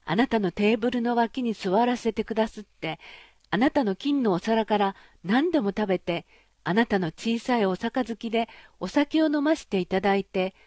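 A woman's voice: a little high, expressive, moderate pace, dry recording, clean studio sound. A woman doing a polite, coaxing fairy-tale frog. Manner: soft, smooth, courteous.

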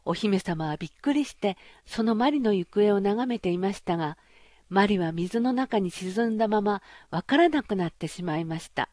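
A woman reading a fairy tale aloud as an audiobook narrator, in a measured, gentle, formal way. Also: mid-range voice, lively intonation, no room sound, clean studio sound.

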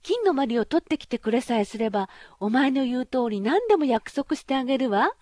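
A woman doing a high, pampered young princess. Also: big pitch swings, fairly quick, darkish tone, no room sound, studio quality. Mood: eager. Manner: high girlish pleading, haughty. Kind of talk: audiobook character voice.

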